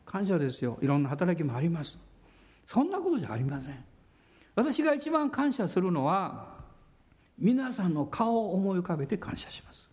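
A man pastor preaching a sermon in a church, with drawn-out pauses and a voice that sometimes drops to a near whisper. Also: sits high, very animated, darkish tone.

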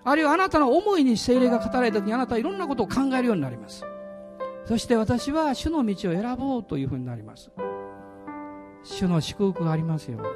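A middle-aged man, a pastor, preaching a sermon in an animated way, with laughing asides to the congregation. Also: very high-pitched.

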